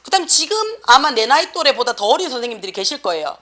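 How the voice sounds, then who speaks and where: A woman's voice: on the high side, big pitch swings, quick pace, sharp tone. A middle-aged woman with a Gyeongsang accent, an academy teacher lecturing and scolding students in a blunt, slangy way. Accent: Gyeongsang Korean.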